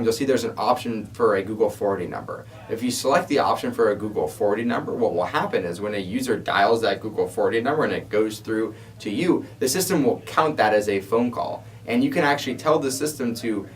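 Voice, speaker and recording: A man co-hosting a question-and-answer show, explaining things in an informal, conversational way. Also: fairly low pitch. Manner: explanatory, informal, frequent "you know". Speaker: co-host and ad support specialist. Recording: distant mic pickup.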